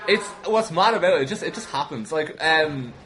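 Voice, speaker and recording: A young Irish man telling casual stories as a guest, animated, self-deprecating and sweary. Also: on the high side, a little fast, soft background music, low-quality recording. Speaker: podcast guest, wrestling commentator.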